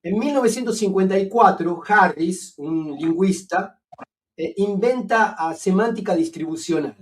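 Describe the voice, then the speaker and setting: A man with an Argentine Spanish accent, speaking as a philosopher guest in a relaxed academic conversation. His voice sits fairly high, and he pauses on "eh" and restarts as he works through his ideas. He sounds a little distant from the microphone. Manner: hesitant, many fillers and restarts, professorial.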